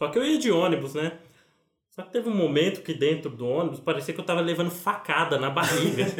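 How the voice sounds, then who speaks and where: A man's high-pitched, animated voice in a Brazilian accent, at a very fast pace. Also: ordinary pitch variation, big swings in loudness. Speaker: podcast host. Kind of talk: casual comedic chat. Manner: animated, laughing often.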